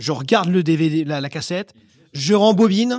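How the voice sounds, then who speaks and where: In a very clean recording with a silent background, a man with a Norman accent speaks with very wide pitch swings. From Normandy, France. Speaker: chef. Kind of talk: interview. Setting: outdoors on a seaside terrace. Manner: halting, many fillers and repetitions.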